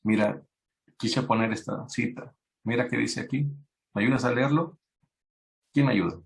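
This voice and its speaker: A man preaching a sermon to young people, acting out pleading voices and rising in pitch when he stresses a point. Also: a little slow, vocal fry. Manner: acts out biblical voices, rises in pitch when emphatic. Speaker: youth preacher.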